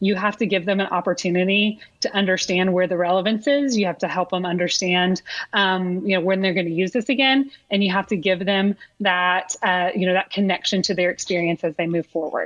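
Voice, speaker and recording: Her Texan accent clear, a woman speaks at a fairly quick pace and medium pitch with very even loudness. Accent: Texan Southern US. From north central Texas. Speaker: education consultant and instructional coaching advisor. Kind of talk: casual interview. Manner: animated.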